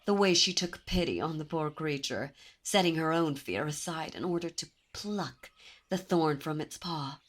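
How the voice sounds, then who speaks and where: A woman voicing a dominant, possessive demon princess in an ASMR roleplay, speaking in a silky, commanding way with soft whispers. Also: sits low, normal speed. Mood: languid. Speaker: voice actor. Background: birdsong and ambient sound effects.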